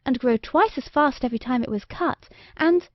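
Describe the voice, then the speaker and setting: A woman's voice: high-pitched, moderate pace, no echo, muffled recording, voice pushed up, natural voice. A woman voicing a sweet, obliging young fairy-tale princess who speaks earnestly and eagerly. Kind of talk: storybook character dialogue.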